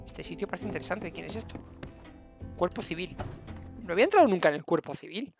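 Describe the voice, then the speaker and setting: A man's voice: high voice, animated, quick pace, vocal fry, faint music behind. A young adult man from Spain with a Spanish accent, giving casual, playful gameplay commentary as he chats to himself on a headset mic. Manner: chatty, playful self-talk with diminutives. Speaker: video game streamer. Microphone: headset microphone.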